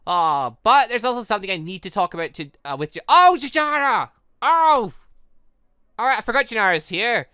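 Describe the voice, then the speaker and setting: A woman giving casual let's play commentary, reading game dialogue aloud and rambling as she thinks out loud with animated reactions. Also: on the high side, moderate pace, smooth, no room sound, clean studio sound. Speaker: gaming channel host.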